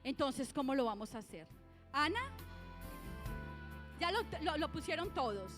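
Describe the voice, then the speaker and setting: A woman's voice: sits high, animated, unhurried, music in the background. A middle-aged woman pastor with a Colombian Spanish accent, preaching a sermon in church, exhorting the congregation and asking them questions.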